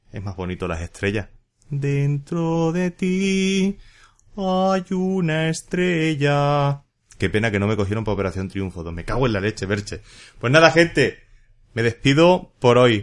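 A man hosting a casual solo podcast, chatty and jokey with playful asides. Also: fairly low pitch. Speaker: podcast host.

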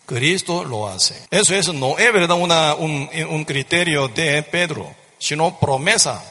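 A man delivering a fervent sermon, his voice pitched slightly high for a man. He hammers points home through repetition and keeps checking in with rhetorical questions. The sound rings with the long reverb of a large hall. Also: expressive, a little slow, sharp tone. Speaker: preacher.

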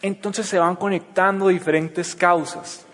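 A man with a Mexican accent giving an energetic motivational seminar talk in colloquial slang, acting out little dialogues as he goes. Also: sits high, a little slow, big-room sound. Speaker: motivational business speaker.

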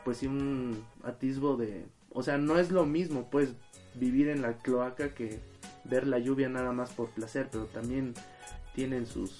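Mellow-voiced man analyzing a film. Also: medium pitch. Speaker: podcast co-host. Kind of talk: casual film discussion.

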